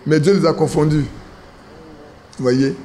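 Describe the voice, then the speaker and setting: At a church assembly, a man from Ivory Coast preaches an informal sermon, speaking conversationally and asking the congregation questions. His voice is on the high side, unhurried and mellow, with a little hiss or hum on the recording.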